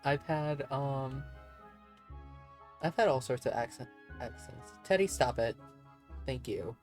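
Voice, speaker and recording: Faint music sits behind a woman streamer who chats casually as she games, wandering off topic and laughing often. Her pitch is extremely low and her tone darkish, with lively intonation at a slow pace.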